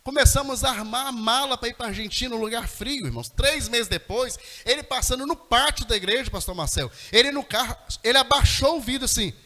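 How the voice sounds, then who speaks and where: A middle-aged man preaches a fervent testimony in a very high, bright voice. He speaks straight to the congregation, and his words ring through a long, echoey church hall. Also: fairly quick, few pauses. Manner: fervent storytelling, addresses the congregation directly. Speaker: missionary preacher. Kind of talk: sermon testimony.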